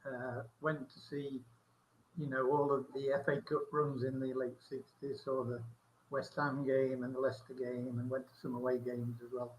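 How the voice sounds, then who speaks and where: Older guest, English man, flat level delivery, faint hiss behind, calm and measured. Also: mid-range voice, rough recording. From England, Nottinghamshire. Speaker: podcast guest. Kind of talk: casual reminiscing chat.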